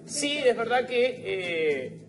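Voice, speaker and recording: Argentine male TV host, high voice, soothing moderator, faint music behind. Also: slow pace. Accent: Rioplatense Spanish. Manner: calming, hesitant with fillers. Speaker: TV show host. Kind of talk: moderating a TV panel.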